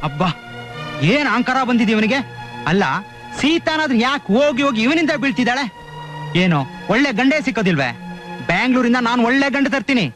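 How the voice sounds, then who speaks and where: A meddling, scheming relative. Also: male voice, extremely high pitch, expressive, fairly quick, pauses often, a bit bright, soft background music. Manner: insinuating, stirring trouble.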